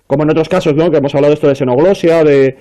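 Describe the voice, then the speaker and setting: A man's voice: on the high side, fairly even intonation, rapid-fire, warm tone. A man on a talk panel, explaining at length with many fillers and restarts. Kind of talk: casual panel discussion.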